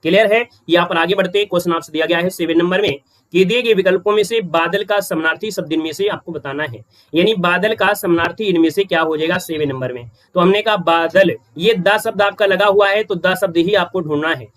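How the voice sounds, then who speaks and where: A man hosts a live-streamed quiz class, his voice sitting high and sounding bright and forward. He moves through the answers briskly and keeps asking his students whether they follow. He greets viewers in the chat as he goes. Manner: brisk, keeps checking in with "right?". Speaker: online Hindi grammar teacher.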